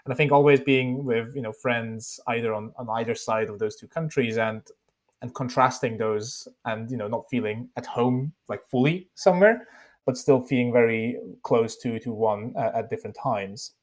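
A reflective man in his thirties from Switzerland, whose first language is Bosnian, talks as a podcast guest. His pitch sits in a middle range, and he loops back and restarts as he thinks aloud. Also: moderate pace. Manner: reflective, many fillers and restarts. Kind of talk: casual interview chat.

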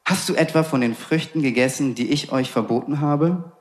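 God, grave and calm, read by a male preacher. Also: mid-range voice, normal speed, reverberant, in a large hall, lightly acted.

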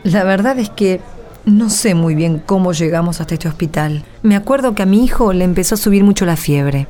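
Woman acting a low-voiced, worried young mother, Argentine. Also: fairly quick, warm tone, faint music behind, natural voice. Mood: troubled, weary. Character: Jimena, worried poor young mother, humble, weary, grateful. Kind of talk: radio drama acting.

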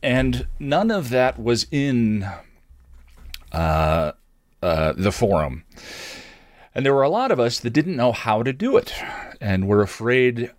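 A man in his forties hosting a podcast, telling a reflective personal story with hesitant pauses and words drawn out for emphasis. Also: medium pitch, big pitch swings, no echo. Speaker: podcast host.

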